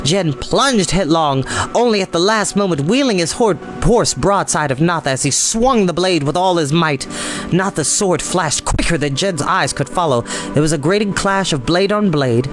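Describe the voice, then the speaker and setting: A man reading an adventure novel aloud as a storyteller, in expressive, dramatic narration. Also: fairly high pitch. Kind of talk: dramatic audiobook-style narration. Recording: music behind the voice. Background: background music.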